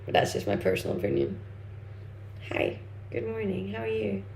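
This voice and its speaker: Her voice is medium-pitched with a darkish tone, vocal fry, and wildly swooping pitch, at a normal speed. This young native Danish speaker from Denmark, a content creator, reads and responds to viewer comments in a casual livestream chat. The room echoes a bit, and faint background noise can be heard.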